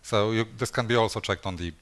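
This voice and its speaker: A man's voice: fairly low pitch, fast, fairly bright tone, smooth. A man speaking at a conference, answering audience questions in a hesitant way with many fillers and restarts. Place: conference session room.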